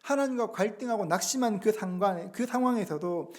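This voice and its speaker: A man's voice: sits high, brisk. A man pastor giving a Sunday sermon, earnest and asking the congregation rhetorical questions. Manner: gently acts out quoted words.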